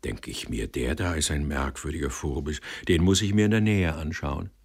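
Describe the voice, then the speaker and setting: A man's voice: a bass voice, moderate pace, vocal fry, breathy edge, heavily acted. A man voicing a shy, eager young Jewish apprentice lad who pleads and chatters on. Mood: eager, pleading. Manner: pleading, wheedling, talkative.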